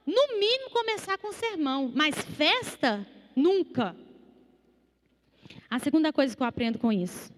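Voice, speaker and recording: Brief: high-pitched female preacher, lively sermon with acted-out voices, long church reverb. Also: unhurried, long pauses. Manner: animated, acts out quoted voices. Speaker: psychologist preaching. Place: church hall.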